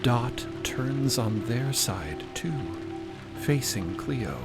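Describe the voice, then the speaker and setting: A man delivering scripted dramatic narration for audio fiction, measured, with deliberate pauses. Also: medium pitch, animated. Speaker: narrator and voice actor. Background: loud music and rain sounds.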